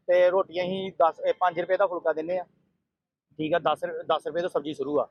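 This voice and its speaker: A man's voice: on the high side, little pitch movement, a little fast, dry recording, muffled recording. A man who runs a family food stall, speaking in an earnest, repetitive way in a casual interview. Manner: earnest, repeats himself.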